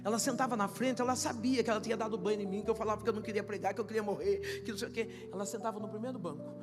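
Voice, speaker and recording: A woman pastor with a Brazilian Portuguese accent gives an emotional testimony sermon, moving from quiet storytelling to shouted, half-sung preaching. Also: medium pitch, fairly even intonation, rapid-fire. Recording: echoey hall with long reverb and loud music behind.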